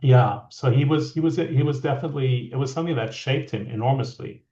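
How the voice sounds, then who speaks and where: A middle-aged man from France, a guest leadership coach, talking in a reflective, halting way with many restarts. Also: medium pitch, warm tone. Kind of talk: conversational interview. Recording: echoey, dull lo-fi audio.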